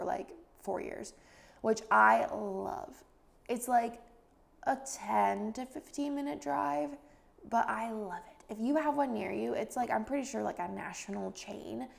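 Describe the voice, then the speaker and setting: A woman's voice: on the high side, creaky. A young woman chatting casually in a vlog voice-over, rambling with lots of fillers, a bit stuffy and congested. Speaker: planner vlogger.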